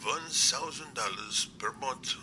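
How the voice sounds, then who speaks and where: A man playing an earnest, courteous doctor in an amateur audio drama, speaking in a formal, measured way. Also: medium pitch, crowd noise, close to an everyday voice. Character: earnest, courteous male doctor, secret Sasquatch researcher. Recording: clear background noise.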